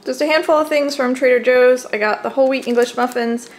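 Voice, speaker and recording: Young American woman, higher-pitched voice, casual vlog narration, indoor camera mic, faint noisy background. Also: fairly quick. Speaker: home vlogger showing groceries. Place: home kitchen, indoors. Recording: clearly noisy home camera audio.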